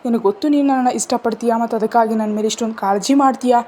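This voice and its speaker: A woman voicing a stubborn young woman in a hospital bed, speaking softly and pleading, in a storybook reading. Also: on the high side, rapid-fire, slight background noise, close to an everyday voice. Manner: soft, pleading. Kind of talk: storybook narration.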